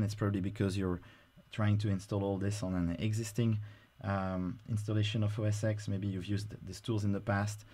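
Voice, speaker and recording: Brief: male presenter, low mellow voice, relaxed screen-recording tutorial delivery with filler words. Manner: casual, explanatory, frequent "uh" fillers.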